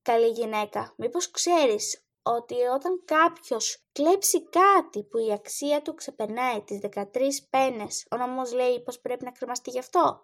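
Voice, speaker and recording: Woman narrator voicing calm formal judge, gentle, measured, high voice, storybook.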